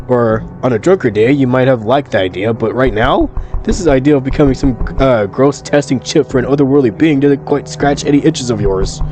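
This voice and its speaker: Wry man reading a horror game aloud. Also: medium pitch. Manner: wry, jokey asides and swearing. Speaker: gaming channel host. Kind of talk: reading game text aloud while playing.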